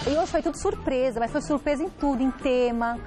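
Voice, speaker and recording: Northeastern Brazilian woman in her fifties, chatty and teasing, slightly high, music under her. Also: a little fast. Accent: Northeastern Brazilian Portuguese. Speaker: cooking contestant. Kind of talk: casual chat and asides to camera. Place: large TV studio kitchen set. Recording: TV studio audio with background music.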